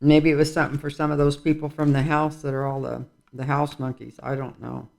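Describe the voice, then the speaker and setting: A man's voice: a little high, little pitch movement, fairly quick, gravelly. A man reading tarot cards in a casual vlog, rambling and musing aloud as he goes. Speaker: tarot reader.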